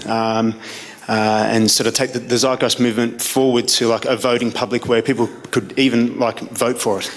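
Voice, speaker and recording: A man in the audience asking unscripted questions in a measured, slightly hesitant way at a live event. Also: mid-range voice. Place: public Q&A after a film screening. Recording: noisy live hall recording.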